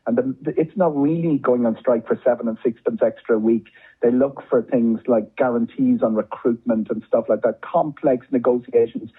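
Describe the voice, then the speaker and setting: An Irish travel journalist appears as a guest, offering conversational, discursive commentary and often repeating words for emphasis. His mid-range voice is slightly rough, and the sound is phone quality.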